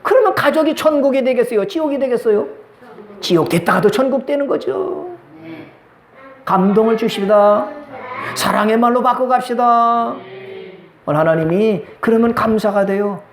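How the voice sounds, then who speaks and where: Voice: mid-range voice, normal speed. A pastor delivering a Sunday sermon, putting rhetorical questions to the congregation and acting out everyday quotes. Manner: acts out everyday quotes in changing voices. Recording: echoey church room.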